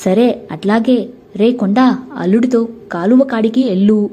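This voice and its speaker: A woman's voice: fairly high pitch, unhurried, mellow, breathy edge. A woman playing a domineering village elder. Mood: commanding. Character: fierce older village elder brother, domineering.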